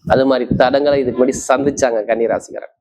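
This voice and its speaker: A man's voice: mid-range voice, fairly even intonation, quick pace, darkish tone. A man giving an astrology forecast to viewers in an emphatic, assuring manner, often repeating key points. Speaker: astrologer, host. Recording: slightly dull, lo-fi sound.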